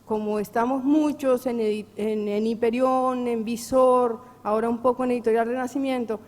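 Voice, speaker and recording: A woman's voice: a little high, fairly even intonation, normal speed, darkish tone. A woman from Latin America speaking earnestly at a round-table discussion, often seeking agreement with short questions. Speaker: panelist poet. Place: large historic hall. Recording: reverberant hall.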